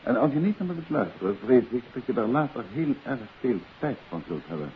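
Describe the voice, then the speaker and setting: A man's voice: medium pitch, very animated, brisk, lightly acted. A man playing a confident author-detective in a 1950s radio play, coaxing and insistent as he questions. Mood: firm, wry. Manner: urbane, persistent, adds questioning tags. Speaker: radio drama lead actor. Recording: hissy, muffled 1950s radio recording.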